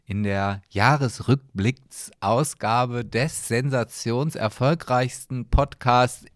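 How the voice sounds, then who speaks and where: A man's voice: medium pitch, slow, no room sound, clean studio sound. Casual German man bantering on a podcast. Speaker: podcast co-host. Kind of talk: casual chat.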